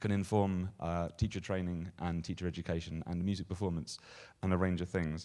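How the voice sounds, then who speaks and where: A man speaks with a British accent. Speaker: music education professor and drummer. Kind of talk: panel talk. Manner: fast; hesitant, many fillers.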